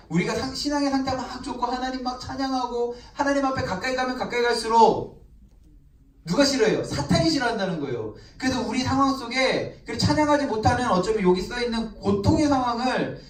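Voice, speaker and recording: A man, a pastor, teaching a Bible study class to people in the room, asking them questions and answering them himself. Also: very high voice. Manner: acts out prayers in an emphatic voice. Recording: echoey room, mic at a distance.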